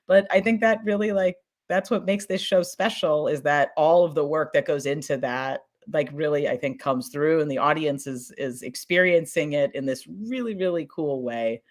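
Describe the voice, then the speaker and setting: A woman's voice: low voice, moderate pace, few pauses. A woman talking casually as a podcast producer in a discussion, effusive and emphatic, giggly and rambling as she goes.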